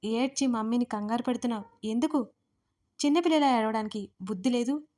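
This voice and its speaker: A woman's voice: on the high side, a little fast, warm tone, close to an everyday voice. A woman voicing a stern, suspicious young man who questions bluntly and scolds, in a Telugu audio story. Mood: scolding.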